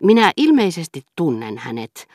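A woman's voice: deep voice, very animated, darkish tone, no echo, clean studio sound, pitched above the performer's own voice. A woman voicing a vain, self-satisfied aristocratic duke who speaks affably and feigns innocence in an audiobook. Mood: affable. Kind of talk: audiobook character reading.

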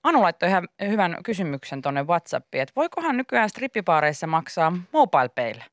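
Young woman, radio host, animated storyteller, laughs a lot, dry studio sound. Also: on the low side, no room sound. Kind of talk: casual radio chat. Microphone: studio microphone.

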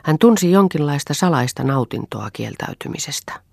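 A woman narrating a literary novel for an audiobook in a measured, subdued way. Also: sits low, lively intonation, no room sound, studio quality. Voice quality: husky, gravelly.

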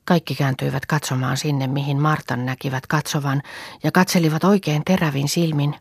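Woman narrator, audiobook reading, measured pace, husky tone, dry sound. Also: sits low, no room sound. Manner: calm, measured storytelling. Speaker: audiobook reader.

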